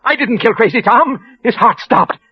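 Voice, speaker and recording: A man's voice: very high-pitched, normal speed, husky. An actor playing a guilt-crazed male office killer who hears voices, in 1940s radio acting, with a frantic, stammering, paranoid manner, on a muffled old radio broadcast.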